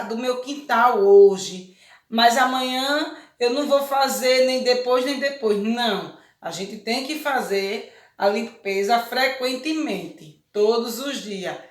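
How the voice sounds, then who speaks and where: A Brazilian woman teaching a recorded lesson to young children. She explains step by step and keeps checking that they follow. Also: fairly high pitch. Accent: Brazilian Portuguese. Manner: patient, explains step by step with many check questions. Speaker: primary school teacher. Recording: echoey room.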